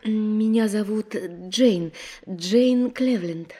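An actress playing a hopeful, plucky young woman of twenty-two in an audio drama, musing and expressive. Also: medium pitch, very slow. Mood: timid, polite. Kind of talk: theatrical audio drama acting.

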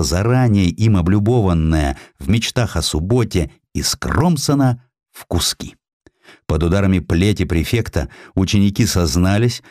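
Guy reading a history audiobook, deep voice, dramatic and theatrical, pitch moves a lot. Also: dry recording, clean studio sound. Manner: expressive, theatrical. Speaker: audiobook narrator. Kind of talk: dramatic scripted narration of historical stories.

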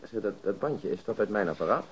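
An actor playing a querulous, nagging police detective in a radio crime drama. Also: male voice, on the low side, lively intonation, quick pace, lo-fi sound, slight background noise, lightly acted. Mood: questioning.

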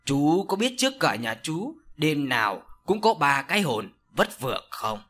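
A man's voice: fairly high pitch, sing-song, sharp tone, exaggerated voice. A man doing a stern old village sorcerer. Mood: grave. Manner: slow, solemn, scolding. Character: older male village sorcerer, stern and grave.

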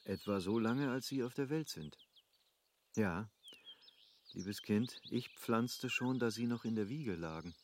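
An actor playing an affectionate, earnest, wealthy baron in a German radio drama. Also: male voice, on the low side, lively intonation, a little slow, darkish tone, a little hiss or hum. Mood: fond, wistful.

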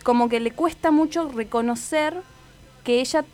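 A woman's voice: high-pitched, normal speed, a little mellow, soft background music. A woman hosting a radio show, chatting casually with many fillers and self-corrections. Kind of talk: casual radio chat about a TV series.

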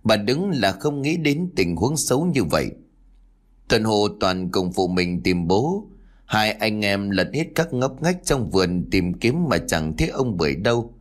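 Low, expressive male storyteller. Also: unhurried. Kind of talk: scripted story narration. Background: faint background music.

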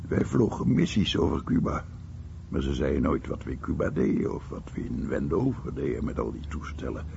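A man playing a disgruntled war veteran recalling his missions in a radio drama, with a gravelly voice. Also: very deep voice, big pitch swings, brisk, darkish tone, full character voice. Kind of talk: radio documentary-drama monologue. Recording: dull recording with faint noise.

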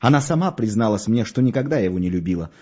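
A man voicing a smooth-talking middle-aged undertaker who gushes over his wares. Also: on the low side, animated, fast talker, warm tone, highs cut off. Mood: unctuous. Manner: salesman's patter, swooping with enthusiasm. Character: oily, gushing middle-aged male undertaker.

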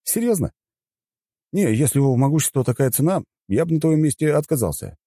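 Cocky young nobleman voiced by a male reader: raised pitch, lively, teasing. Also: brisk, slightly rough, no room sound, studio quality. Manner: casual, teasing, amused.

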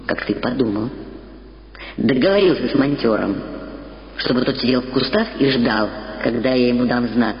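A man voicing a self-assured, cryptic male insect mentor in a measured, knowing way for a radio reading, with reverb on the voice. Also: mid-range voice. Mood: knowing, teasing. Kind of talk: dramatised literary reading for radio. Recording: dull radio recording, long echoing reverb.

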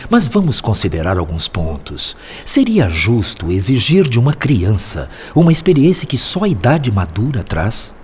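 Wise spirit mentor, low and expressive. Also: male voice, a little hiss or hum. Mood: patient reasoning. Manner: measured, sermonizing, persuasive. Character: calm, wise male spirit mentor, compassionate and patient. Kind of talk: radio drama acting.

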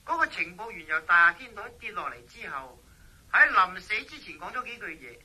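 An actor in a Cantonese radio drama playing a short-tempered intelligence chief speaking over the phone, with a Cantonese accent. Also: male voice, high voice, big pitch swings, bright, forceful tone, slightly rough, full character voice. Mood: urging. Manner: quick to anger, insistent. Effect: telephone. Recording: tinny telephone line.

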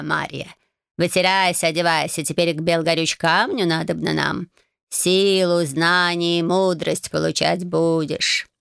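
A woman voicing a wise, grumpy magic tomcat who lectures slowly, drawing out his words and purring and meowing between them. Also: deep voice, vocal fry, fairly bright tone, clean tone, dry recording, clean studio sound, full character voice. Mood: instructing. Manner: slow, drawn-out, lecturing, purrs and meows. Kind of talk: audiobook character voice.

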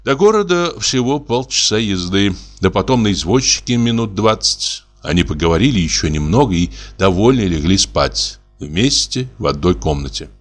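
A man narrating a classic short story in a measured, expressive way. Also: lowish voice, soft background music. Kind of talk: literary audiobook narration.

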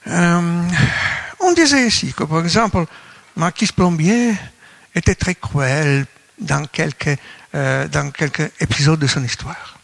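A man from Russia with a Russian accent gives a conference lecture in non-native French, halting as he searches for words. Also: fairly high pitch, vocal fry, fairly bright tone. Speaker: academic speaker at a colloquium.

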